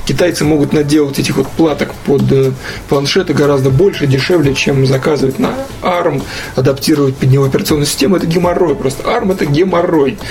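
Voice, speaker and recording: A man's voice: on the high side, fairly even intonation, fast, a little mellow. A man talking casually about tech in a colloquial, slangy and opinionated way, as a guest in a conversation.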